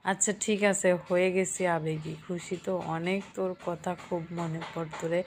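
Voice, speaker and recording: A woman's voice: on the low side, little pitch movement, moderate pace, a little hiss or hum, lightly acted. A woman voicing a playful, teasing young husband and older brother in an audio story.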